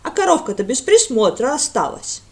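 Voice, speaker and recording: A woman voicing a big, simple-minded village lad who talks loudly and eagerly in slow, folksy phrases. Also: a little high, big pitch swings. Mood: boastful. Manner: loud, eager, drawling folksy talk.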